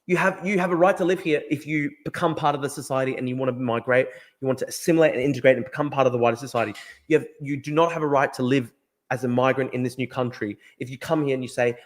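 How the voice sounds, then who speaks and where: A man's voice: mid-range voice, steady tone, fast talker. A man hosting a political podcast, making his points emphatically and repeating himself, often asking "right?" and dropping in "like". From Australia. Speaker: podcast host. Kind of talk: opinionated political podcast talk.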